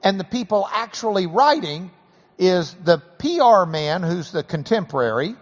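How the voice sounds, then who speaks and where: A folksy, joking man from Texas hosts a live interview in a hall before a class, his voice high-pitched and sing-song. He slows things down when he explains something. The audio is dull, with long hall reverb.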